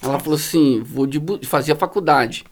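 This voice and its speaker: A man with a Brazilian Portuguese accent, a pastor telling stories as a podcast guest in slangy, animated casual talk full of fillers. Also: a little high, moderate pace. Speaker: guest, pastor running a social project. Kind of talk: casual storytelling in a podcast conversation.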